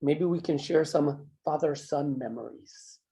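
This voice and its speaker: A man's voice: on the high side, vocal fry, warm tone. Man acting a coolly cruel, controlling boss. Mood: menacing. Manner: measured, condescending threats. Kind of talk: dramatic table read of a screenplay.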